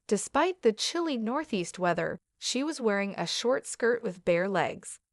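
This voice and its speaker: A woman narrating a first-person drama story in an even, steady reading. Her voice sits at a middle pitch. The recording is dry and close, with no room sound. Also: measured pace, no room sound.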